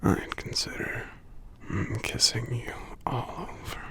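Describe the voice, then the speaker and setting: A man playing a sick, gentle giant lover in an ASMR roleplay, murmuring drowsily and tenderly in a breathy whisper with gravelly hums. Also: medium pitch, expressive, exaggerated voice. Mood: weary, affectionate. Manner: slow, tender, halting, murmuring hums between phrases. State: drowsy, under the weather.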